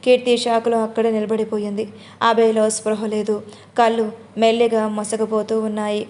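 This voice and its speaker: Woman narrating a dramatic audio story, urgent, kinda high pitched. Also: completely flat delivery, moderate pace, darkish tone.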